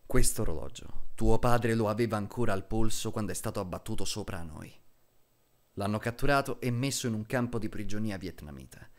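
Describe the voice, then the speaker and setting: A man playing a solemn middle-aged military officer in a film dub, speaking to a child in a measured, deliberate way with dramatic pauses. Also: fairly low pitch, natural voice. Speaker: voice actor dubbing a film character.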